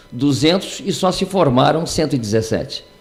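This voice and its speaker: A man's fairly high pitch with ordinary pitch variation at a moderate pace, amid noticeable background noise. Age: 60s. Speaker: retired air force colonel. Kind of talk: radio interview. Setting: radio studio.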